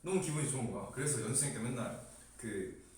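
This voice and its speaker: A young man chats quickly on a livestream, his pitch rising and falling as he rambles through a story. He sounds set back from the microphone, in a strongly echoing room with faint noise underneath. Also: animated, darkish tone. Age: young adult. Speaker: idol group member hosting a livestream. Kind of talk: casual group chat on a livestream. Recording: roomy, distant mic, faint noise.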